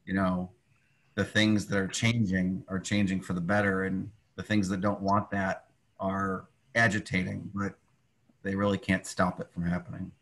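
Low, even-toned man reflecting. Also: moderate pace. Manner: conversational, punctuated with "you know". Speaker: participant in a group call. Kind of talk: reflective opinion sharing.

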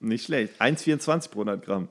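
A man's voice: lowish voice, expressive, fairly quick. A man in his thirties co-hosting a casual podcast chat, laughing often and stumbling and correcting himself as he reads aloud. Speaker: podcast co-host.

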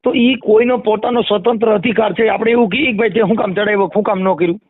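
High-pitched, fast Kathiawadi Gujarati man on phone. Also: steady tone. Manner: insistent, explanatory, repeats phrases for emphasis. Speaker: community activist. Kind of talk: animated phone discussion. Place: phone call. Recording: muffled lo-fi phone call recording.

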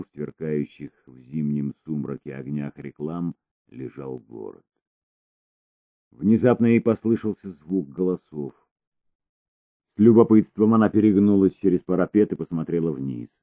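Deep-voiced man narrating an audiobook. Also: dry recording. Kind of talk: scripted narration. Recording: tinny phone-like dry recording.

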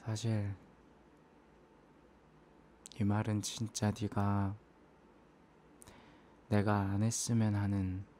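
A man in an ASMR role-play as an apologetic, self-blaming young boyfriend, speaking in a soft, intimate, hesitant murmur. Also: fairly low pitch, completely flat delivery, extremely slow, long pauses, a little hiss or hum.

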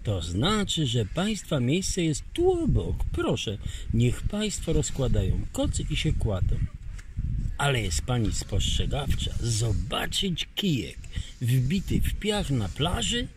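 A man's voice: medium pitch, huge pitch swings, slow pace. An older man acting a husband in a home radio play, genial and joking, in a noisy home recording. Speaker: husband on holiday.

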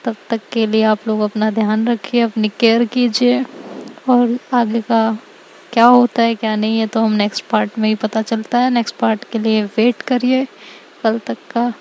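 Chatty woman reading her love-story serial, gravelly, kinda high. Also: level tone, moderate pace, a little mellow, a little hiss or hum, low-quality recording. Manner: chatty, intimate, with giggles. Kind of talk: casual spoken storytelling.

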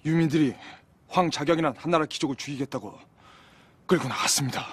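An actor playing an urgent, aggrieved male follower in a historical war drama, with a husky, gravelly voice. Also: on the high side, fast talker. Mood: alarmed. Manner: urgent, pleading.

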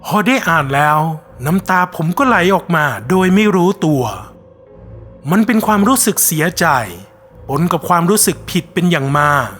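A man with a high, bright voice narrates a horror story in a measured, somber way. His voice carries a long reverb, with soft music playing underneath. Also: lively intonation.

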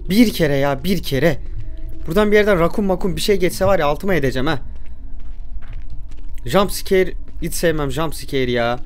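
A man's voice: on the high side, moderate pace, long pauses, faint music behind. A man commentating a horror game as he plays, easily startled, talking back to the game with joking curses. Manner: jumpy, talks back to the game, jokey swearing. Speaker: gamer playing a horror game.

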